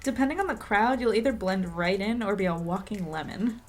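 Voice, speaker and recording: Woman acting wry sleepless young reporter, dry understatement, plainspoken, audio drama, clear music underneath. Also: mid-range voice, lively intonation, a little fast, natural voice. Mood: wry, probing. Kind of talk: audio drama acting, diary-like monologue and dialogue.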